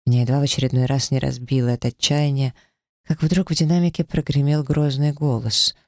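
A man reading a first-person story as an audiobook narrator, in an even, somber way. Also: mid-range voice, brisk, dry recording, clean studio sound. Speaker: audiobook reader.

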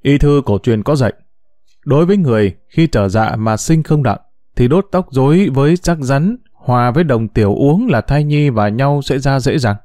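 A man voicing a calm, modest young healer who speaks reassuringly, in a storybook reading. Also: mid-range voice, moderate pace, dry recording, studio quality, faint music behind, natural voice.

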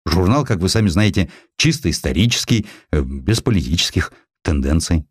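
Candid, polite military historian, performed by a male narrator, deep, reflective, audiobook drama. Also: lively intonation, moderate pace, husky, dry recording. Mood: polite, hesitant.

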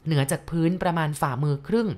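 A woman narrating a ghost story for listeners, speaking politely and addressing the audience directly with soft courteous particles. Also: low-pitched, quick pace.

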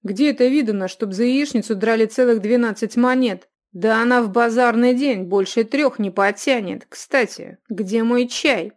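A woman's voice: medium pitch, normal speed, dark tone, lightly acted. A woman reader voicing an indignant, sulky young man who has been posing as a lady.

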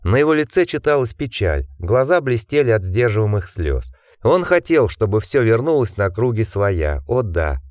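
A man reads an audiobook aloud in a low voice that swings widely in pitch. His delivery is dramatic and expressive. The recording is close and dry. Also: moderate pace, hardly any pauses, no echo. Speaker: audiobook narrator. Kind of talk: audiobook narration.

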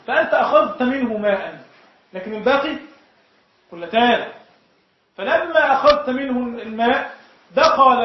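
High-voiced Egyptian sheikh in an echoey room. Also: male voice. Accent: Egyptian Arabic. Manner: explains point by point, often asks the class if it is clear. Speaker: sheikh teaching Shafi'i jurisprudence. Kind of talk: classroom fiqh lesson. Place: lecture room with students. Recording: echoey, dull lo-fi room recording.

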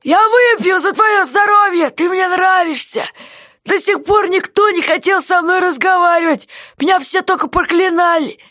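A woman voicing a gruff, grunting male jailer who yells and blusters but sounds unsure of himself. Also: very high-pitched, moderate pace, dry recording, studio quality, voice pushed up. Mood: friendly. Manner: yelling, blustering.

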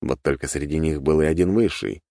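Very deep gravelly male narrator. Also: fairly quick, warm tone, no room sound, clean studio sound. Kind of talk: audiobook fantasy narration.

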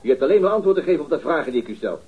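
An actor playing a stern, methodical police interrogator in a radio crime drama, speaking in a formal, curt, commanding way. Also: male voice, fairly high pitch, big pitch swings, very fast, slight background noise. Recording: dull, muffled radio drama recording.

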